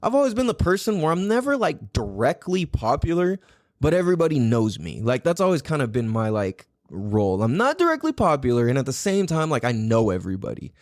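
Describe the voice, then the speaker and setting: Animated, profane man telling stories. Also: fairly high pitch, fairly quick, dry recording, studio quality. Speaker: podcast host. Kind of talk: casual solo storytelling.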